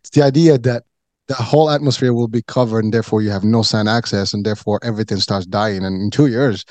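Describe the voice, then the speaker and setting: A man's voice: fairly low pitch, fairly even intonation, fast talker, a little mellow, no echo. Rambling middle-aged man from Morocco. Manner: rambling, many fillers and restarts. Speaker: podcast guest. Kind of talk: casual chat.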